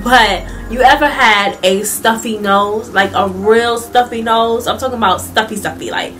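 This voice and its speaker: A young vlogger with a stuffy, congested nose gives a chatty motivational talk to camera in a small indoor room. Her voice is fairly high and at normal speed, picked up by a distant mic with faint music behind. She's animated, gestures with her hands, and says "like" a lot among many fillers.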